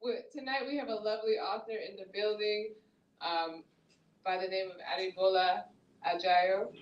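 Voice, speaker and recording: Brief: upbeat host with a lilt, introducing a speaker, distant echoey room. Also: female voice, mid-range voice, fairly even intonation, moderate pace, muffled recording. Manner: upbeat, laughs often, reads the bio. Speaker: event host.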